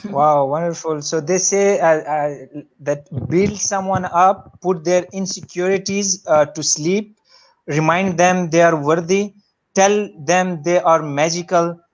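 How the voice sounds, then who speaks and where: A man's voice: high voice, fairly even intonation, unhurried. A man hosting an online interview, enthusiastic and hesitant with fillers. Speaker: interview host. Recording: muffled lo-fi audio.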